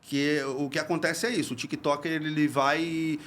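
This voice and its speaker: A man's voice: on the high side, flat delivery, moderate pace, fairly bright tone. A man who teaches comedy, talking casually on a podcast, earnest and explanatory, often repeating words as he searches for them. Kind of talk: casual chat.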